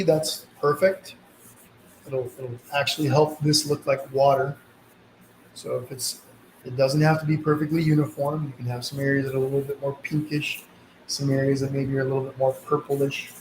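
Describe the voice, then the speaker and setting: A man with a mid-range, darkish voice hosts a casual live painting session, reassuring viewers in a relaxed way. He has slight sniffles from a mild cold. The space sounds roomy, with some background noise.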